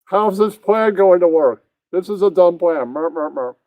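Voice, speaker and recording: A man's voice: high-pitched, expressive, moderate pace, darkish tone, no echo. A man voicing a dim, whiny, doubtful henchman puppet who babbles a muttered catchphrase, in amateur puppet comedy.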